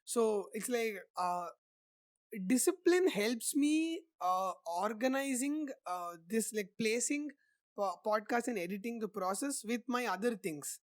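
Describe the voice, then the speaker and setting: A young man hosting a podcast answers questions casually, rambling along and leaning heavily on "like." His voice sits high and expressive at a measured pace, captured in a dry recording.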